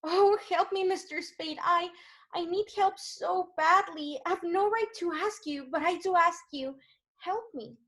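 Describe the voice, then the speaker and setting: A woman's voice: very high-pitched, measured pace, a bit bright. A woman playing an anxious, evasive femme fatale in a 1940s-style radio noir, hesitant and theatrical. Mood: pleading.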